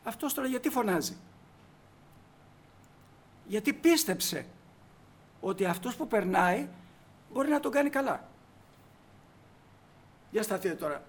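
High-voiced emphatic male preacher. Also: very animated, long pauses. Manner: emphatic, asks the congregation rhetorical questions. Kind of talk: sermon.

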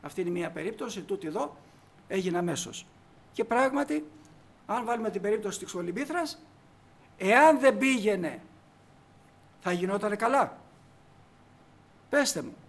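A man's voice: high voice, expressive, gravelly, pauses often. A man preaching a sermon emphatically, putting rhetorical questions to the congregation.

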